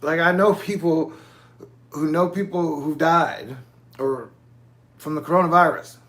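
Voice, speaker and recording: Unhurried and fairly bright, this slightly high male voice comes from a man in his forties hosting his own channel. He meanders through his monologue, swearing occasionally.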